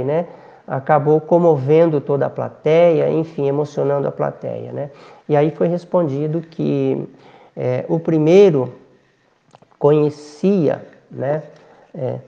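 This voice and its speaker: A man delivers a spiritist lecture, slow and reflective, pausing on hesitant fillers between phrases. His voice is mellow and gravelly, and it sits a little high for a man. The recording sounds dull and lo-fi.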